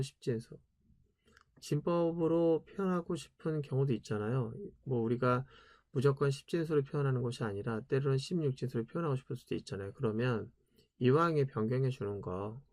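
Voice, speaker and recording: A man's voice: medium pitch, a little mellow, no echo, studio quality. A man giving a casual programming lecture, chatty, asking rhetorical questions and answering them himself.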